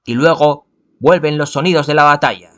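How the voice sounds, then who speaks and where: At a normal speed and with a slightly high voice, this man from Spain reads a visual novel aloud in a Spanish accent. The reading is stumbling, packed with self-corrections and asides.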